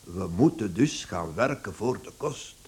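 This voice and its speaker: A man acting a middle-aged, authoritative father in a radio play, speaking deliberately and formally. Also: fairly low pitch, animated, a little mellow. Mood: measured, self-satisfied. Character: authoritative bankrupt father, measured head of household.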